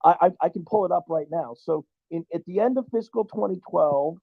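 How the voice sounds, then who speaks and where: A man's voice: high voice, a little fast, gravelly, no room sound, phone-quality sound. A man arguing the bull case in a stock debate, reeling off valuation figures with repeated stammers. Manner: argumentative, reels off figures, stammers. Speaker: debate guest. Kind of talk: bull versus bear debate.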